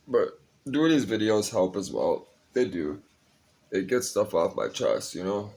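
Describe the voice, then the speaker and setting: Young male vlogger, very low voice, tired, loose confessional ramble with plenty of swearing. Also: animated, a little slow, creaky, a little mellow. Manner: rambling, confessional, curses freely. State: tired, a bit high. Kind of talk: casual personal vlog talk.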